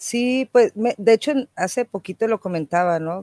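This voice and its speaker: An unremarkable speaking voice with ordinary pitch variation moves at a moderate pace, recorded dry and close with no echo in a very clean recording with a silent background. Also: woman. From Tijuana, Mexico. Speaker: poet and cultural manager. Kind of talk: interview.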